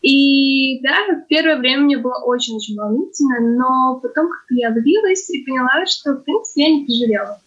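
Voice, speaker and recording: A woman's voice: high voice, a little fast, few pauses, lo-fi sound. A teenage girl, a student guest talking eagerly and casually with some fillers. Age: teens. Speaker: guest, high school student. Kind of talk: casual talk.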